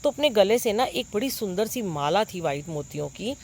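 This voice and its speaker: A middle-aged woman telling a congregation about a dream. She sounds full of wonder and earnest, with lots of pauses and fillers, recorded on a phone propped nearby. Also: medium pitch, lively intonation, a little hiss or hum. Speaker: devotee sharing a dream with a congregation. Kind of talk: devotional storytelling.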